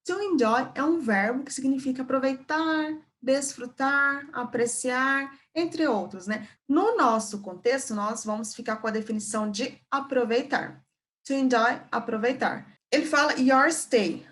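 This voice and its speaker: A woman's voice: high-pitched, unhurried, a bit bright. A woman with a Brazilian Portuguese accent teaching an English lesson, patiently repeating words and checking in with her students.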